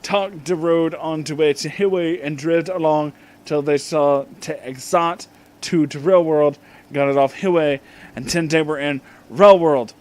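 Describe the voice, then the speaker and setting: A man reading fan fiction aloud as a comedic dramatic reading, pronouncing the misspellings just as written and adding asides. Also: fairly high pitch. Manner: deliberately reads misspellings as written.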